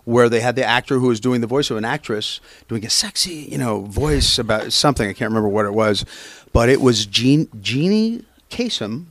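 A middle-aged actor chats about his career, his voice slightly raspy from a cold. He rambles and restarts with plenty of fillers, and the recording sounds dry and close. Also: mid-range voice, lively intonation, dry recording. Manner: rambling, halting storytelling with many fillers. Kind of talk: casual podcast interview chat.

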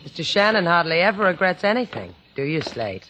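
Wisecracking cool woman, dry and teasing, bright voice, noisy vintage radio recording. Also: on the low side, very animated, brisk. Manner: sly, dryly teasing. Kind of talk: 1950s radio drama acting.

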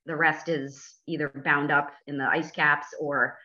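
A woman hosting a casual chat podcast, with a forceful, bright tone and a somewhat low pitch. She teases in a dry, blunt way and quizzes her co-host. The recording sounds dull and lo-fi. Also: flat delivery, a little slow. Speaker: host, environmental attorney.

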